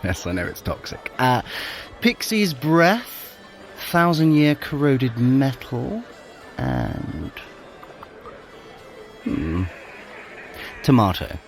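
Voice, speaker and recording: A man's voice: medium pitch, big pitch swings, drawn-out words, long pauses, faint music behind, heavily acted. A male actor playing a sardonic, fussy trickster god in an audio drama, with theatrical, scornful, aristocratic delivery. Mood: indulgent, fussy. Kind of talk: scripted audio drama dialogue.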